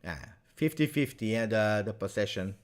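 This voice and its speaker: A man talks through a football match live as a reaction host, cheering openly for his side. His pitch swings widely, climbing high when a chance comes. He chats with viewers between moments of play. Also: moderate pace. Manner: chatty and partisan, bursting into excited shouts at chances.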